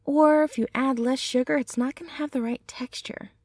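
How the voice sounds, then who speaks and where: A woman playing a gentle, affectionate young centaur girlfriend in an ASMR roleplay, speaking softly and tenderly in an unhurried ramble. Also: high-pitched, fairly even intonation, dry recording. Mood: gentle, chatty.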